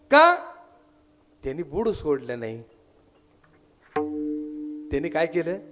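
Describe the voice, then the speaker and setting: Male Marathi kirtan preacher, high-pitched storyteller who voices his characters, live instruments loud underneath. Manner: storytelling, acts out dialogue, breaks into sung verses. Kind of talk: devotional kirtan sermon with singing. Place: temple hall with audience.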